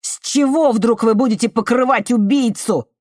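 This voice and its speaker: A woman reading an audiobook voices a desperate young man who answers with bitter sarcasm and often breaks into shouting. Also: sits low, animated, normal speed, dry recording, studio quality.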